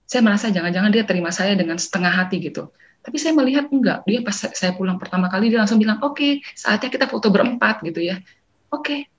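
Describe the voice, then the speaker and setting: A woman's voice: mid-range voice, fast. Lady sharing her church testimony, acts out everyones lines, throws in english bits, dull lo-fi sound. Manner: lively storytelling, acting out quoted dialogue; mixes in English phrases. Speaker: testimony speaker. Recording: dull lo-fi recording.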